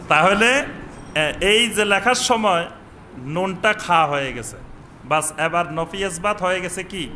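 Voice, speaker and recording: A man preaching a sermon in a mosque, chanting Arabic phrases slowly and questioning his listeners. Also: high-pitched, pushed and bright, slight background noise. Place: mosque with upper floor and veranda.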